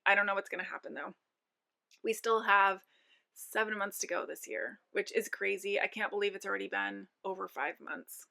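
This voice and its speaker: A woman's voice: mid-range voice, flat delivery, moderate pace, creaky, pushed and bright. A woman vlogger chatting casually to camera about her yarn, reading off numbers with fillers, saying she is losing her voice. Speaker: knitting vlogger.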